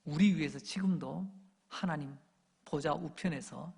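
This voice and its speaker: A male pastor delivering an animated sermon to his congregation, acting out the shouts and taunts of crowds as he preaches. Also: fairly high pitch, a little slow, creaky, husky. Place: church sanctuary. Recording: long church hall reverb.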